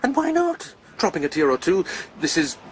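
An actor playing a proud, witty poet-soldier in a radio drama, speaking with eloquent, wry theatricality. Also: male voice, high-pitched, huge pitch swings, normal speed, slight background noise. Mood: moved, rueful.

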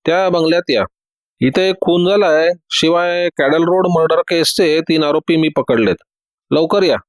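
A man's voice: fairly high pitch, moderate pace, no echo, pitched above the performer's own voice, natural voice. A man voicing a confident, witty male detective who teases everyone in a breezy way. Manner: teasing, breezy.

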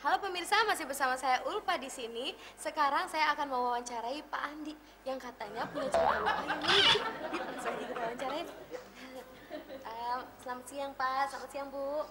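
A woman's voice: high-pitched, a little fast, over a noisy crowd, heavy background noise, lightly acted. A woman playing a peppy, easily flustered TV presenter in a comedy sketch. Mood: chirpy.

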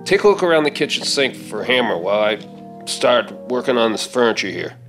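A middle-aged man acts a gruff survivor who takes charge in a zombie radio play. His pitch is average and his phrasing folksy. Loud music plays behind him. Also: big pitch swings, brisk. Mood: steady, grim. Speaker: stage actor reading a script. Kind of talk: live radio-play acting. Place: theater stage. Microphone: stand microphone.

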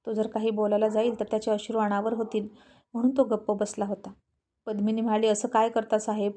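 Warm-voiced woman storyteller. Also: medium pitch, flat delivery, fast talker. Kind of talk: serialized story narration.

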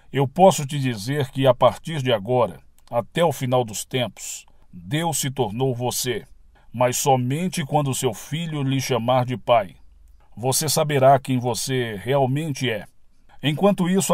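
A man with a Brazilian accent reading a spiritual lecture as scripted narration, in a measured, didactic way. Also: medium pitch, darkish tone, no echo, clean studio sound.

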